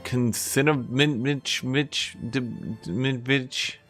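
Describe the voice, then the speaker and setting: A man's voice: mid-range voice, fairly even intonation, extremely slow, fairly bright tone, soft background music. A man streaming a game, chatting casually and rambling to his viewers. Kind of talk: casual chat while gaming.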